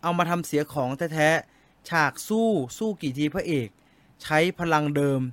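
A man with a fairly high voice chats in an easygoing, polite way. He closes his sentences with soft courtesy words. The recording is dry and close. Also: animated, unhurried, dry recording. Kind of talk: casual chat about novels and cartoons.

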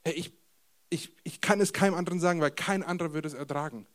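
A man's voice: on the high side, fast talker, a bit bright, lightly acted. A man voicing God speaking to a young boy in casual slang. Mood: blunt. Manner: casual slang, direct address.

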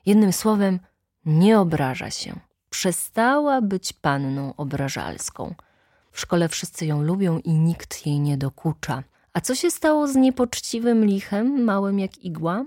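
Slow, dry-voiced woman reading a storybook. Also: fairly low pitch, no room sound. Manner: slow, expressive, animated quoting.

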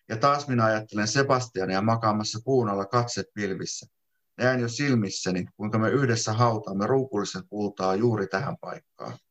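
A man reading his own literary text aloud in a calm, measured first-person narration. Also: fairly low pitch. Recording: dull lo-fi sound.

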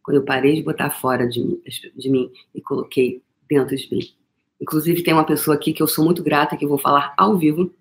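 A middle-aged Brazilian woman coaching a live audience with fervent emphasis. Her voice sits a little low for a woman and keeps calling the listener "my love". Her tone stays casual and outspoken, with a swear word here and there. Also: steady tone, a little fast. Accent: Brazilian Portuguese. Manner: emphatic, calls listener "meu amor", mild swearing. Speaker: motivational coach. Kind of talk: live motivational talk.

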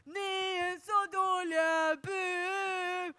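A woman voicing a huge boastful giant warrior who shouts childish insults at an army. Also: very high voice, flat delivery, no room sound, clean studio sound. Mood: mocking.

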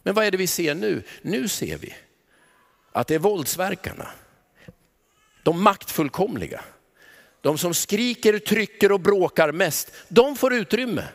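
A male pastor delivers a sermon with a notably high voice that rings through a long church reverb. He lets deliberate pauses hang and sinks to a hushed, low tone on his key words. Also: animated.

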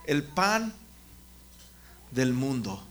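A man's voice: medium pitch, sing-song, very slow. A man giving a children's sermon, often stopping to question the kids by name. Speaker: children's ministry preacher.

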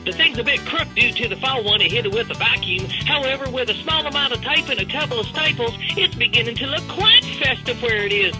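A folksy, scatterbrained character played by a woman delivers a comic answering-machine monologue. The voice is high. Music plays clearly behind it. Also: animated, fairly quick, hardly any pauses, lightly acted, rough recording. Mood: folksy, flustered. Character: folksy, scatterbrained Cousin Homer answering the phone.

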